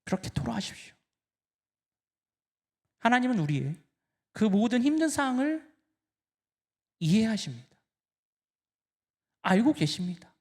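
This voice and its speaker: A man preaching a sermon as pastor, talking straight to the congregation and swinging between hushed and loud. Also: high voice, sing-song, measured pace, long pauses. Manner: addresses the congregation directly.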